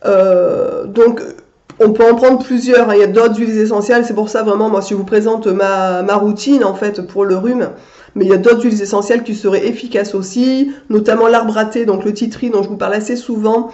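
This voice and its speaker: A woman's voice: medium pitch, fairly even intonation, fairly quick, warm tone. Stuffy-nosed woman chatting in an echoey room. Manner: chatty, many fillers and restarts. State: stuffy nose from a cold. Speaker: vlogger. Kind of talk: casual chat to camera. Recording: echoey room, dull lo-fi sound.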